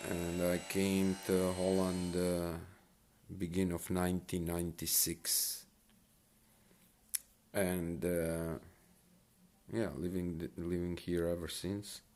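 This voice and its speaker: Low-voiced gamer rambling. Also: male voice, little pitch movement, slow pace, long pauses, darkish tone, a little hiss or hum. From Bosnia and Herzegovina. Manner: rambling, hesitant, many fillers and restarts. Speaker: mobile racing game streamer. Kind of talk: casual gameplay commentary.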